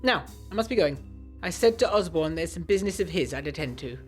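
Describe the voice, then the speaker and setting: A woman voicing a courteous, faintly sinister male doctor with formal, measured phrasing in a gothic audio drama. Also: fairly low pitch, lively intonation, soft background music, lightly acted. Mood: brisk, knowing.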